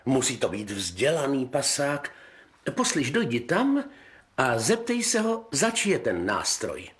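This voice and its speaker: A pampered fairy-tale princess, whiny and fussy, as a man puts her on in a raised, lively storybook voice. She sounds used to getting her way. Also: medium pitch, pitched above the performer's own voice. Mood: petulant. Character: spoiled, petulant young princess.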